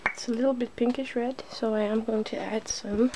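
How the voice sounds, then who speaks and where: A woman's voice: on the high side, steady tone, normal speed, background noise. A woman hosting a casual ASMR makeup demonstration, chatty and giggly, drifting into whispers. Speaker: ASMR video host.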